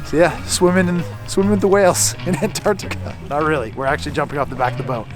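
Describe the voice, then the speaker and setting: A man with a slightly high voice presents a vlog in a casual way. He pauses and rephrases as he talks to camera. Music plays clearly behind him.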